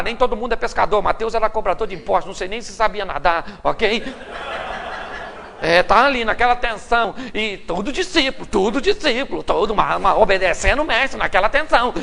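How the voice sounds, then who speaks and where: High, gravelly Brazilian preacher man. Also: animated, brisk, bright, forceful tone, a little hiss or hum. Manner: playful, joking storytelling with frequent laughter. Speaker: pastor. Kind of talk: humorous sermon. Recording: reverberant live hall recording.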